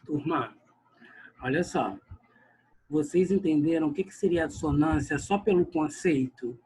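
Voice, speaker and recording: A man's voice: on the high side, measured pace, darkish tone, husky, poor audio. A male grammar teacher, giving an online lesson and often calling out to his class while he stretches words for emphasis. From Brazil.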